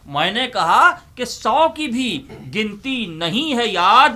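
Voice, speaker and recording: A man's voice: extremely high pitch, very animated, pushed and bright. A man reciting humorous poetry as a host, in a theatrical, emphatic manner, repeating lines for effect.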